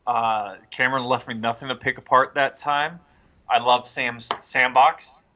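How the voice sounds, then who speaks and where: Bright-voiced man, wry and casual. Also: mid-range voice, steady tone, a little slow, dull audio. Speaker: podcast player. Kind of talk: casual joking chat.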